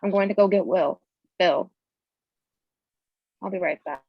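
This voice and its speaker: An actress plays a protective woman, steady and commanding, with a gravelly creak in her voice. It is a drama table read with a dry, slightly dull sound. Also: lowish voice, a little slow, no echo. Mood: concerned, protective. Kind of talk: screenplay table read acting.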